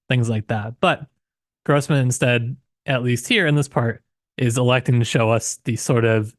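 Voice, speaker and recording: A man's voice: medium pitch, no echo, studio quality. A man co-hosting a podcast, discussing a book casually and reflectively, often searching for his words. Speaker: podcast co-host.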